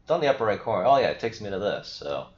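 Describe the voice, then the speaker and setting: A young man talks through a screen share in a loose, chatty way, filling gaps with "you know" and "all right". His voice sits a bit low. The sound is roomy and dull, like a basic desk setup in a small room. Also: very animated, racing, a little mellow. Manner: chatty, filler-heavy, explaining as he goes. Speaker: crypto video host. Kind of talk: casual screen-share walkthrough.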